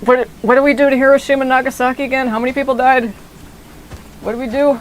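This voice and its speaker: A streamer, a woman in her twenties from the US, talks fast in a high, steady voice while rambling casually about her gameplay and swearing freely. The audio quality is poor.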